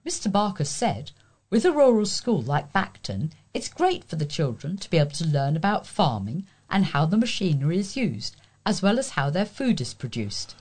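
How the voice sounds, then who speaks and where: A woman's voice: lowish voice, big pitch swings, moderate pace, a little mellow, breathy edge. A woman with a British accent reading scripted local news and letters as a volunteer newsreader. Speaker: volunteer newsreader for a talking newspaper.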